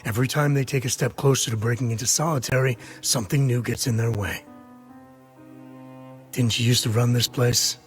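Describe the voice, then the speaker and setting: An actor playing a cold, mocking, volatile convict gang leader in a video game, raspy and threatening. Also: male voice, medium pitch, steady tone, a little fast, faint music behind, close to an everyday voice. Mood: cold interrogation. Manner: taunting, threatening. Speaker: villain. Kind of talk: dramatic game cutscene acting.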